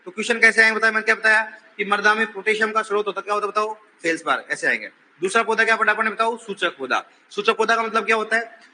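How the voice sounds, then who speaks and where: A male teacher quizzes his class rapid-fire and teases students who stumble, his high voice cutting through sharply. He talks very fast and says he is shouting as he teaches this classroom lecture. Faint room noise sits beneath the recording.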